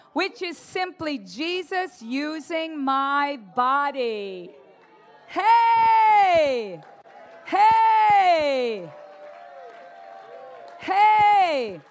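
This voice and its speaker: A woman preaches with a very high, bright voice and an unhurried, drawn-out delivery. She is animated and playful, mimicking her listeners and breaking into shouts and laughter as she drives home her points. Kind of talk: lively charismatic sermon.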